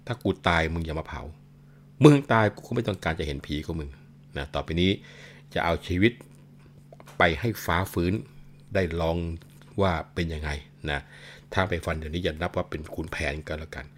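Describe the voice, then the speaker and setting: Guy doing an angry old warrior yelling at his son, loud and harsh. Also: deep voice, normal speed. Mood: furious. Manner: shouting curses, crude pronouns. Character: vengeful aging male warrior, furious father.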